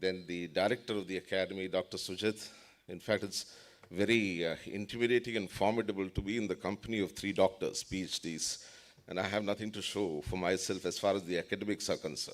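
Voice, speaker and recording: A man's fairly low voice at a very fast pace, fairly even in intonation, on a very clean recording with a silent background. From India, Kerala (Kannur). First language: Malayalam. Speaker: judge. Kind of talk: conference speech. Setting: conference hall with audience. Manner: hesitant, many fillers.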